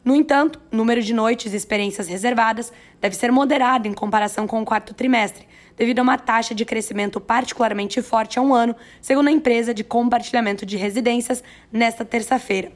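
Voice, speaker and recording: A hoarse, raspy-voiced woman with a Brazilian accent, hosting a news podcast in a chatty, playful way with self-deprecating asides. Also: fairly high pitch, fairly even intonation, quick pace. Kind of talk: chatty, conversational news narration.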